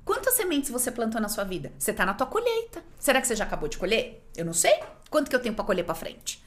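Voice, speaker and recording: A Brazilian woman hosts a casual podcast chat with an expressive, emphatic storytelling manner. Her pitch sits a little high and swings widely. She talks quickly. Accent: Brazilian Portuguese. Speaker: podcast host.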